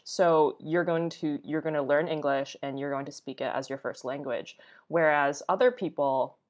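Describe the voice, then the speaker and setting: An American woman from Boston telling personal stories casually as an interview guest, peppering her talk with "like" and voicing quoted remarks. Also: sits low. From Boston, United States. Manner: conversational, often uses "like", acts out quoted remarks. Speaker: podcast guest, travel blogger.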